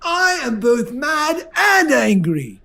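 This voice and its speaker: An actor playing a pompous, blustering wasteland raider who talks in a mock-formal way. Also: male voice, very high voice, sing-song, slow, vocal fry, bright, forceful tone, shouting, heavily acted. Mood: huffy.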